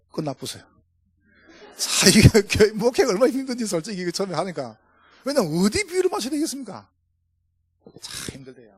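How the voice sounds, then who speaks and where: A middle-aged man with a Gyeongsang Korean accent, preaching a humorous sermon to fellow pastors with lively storytelling. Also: high voice, slightly rough, no room sound. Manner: storytelling, jokey, animated. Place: church.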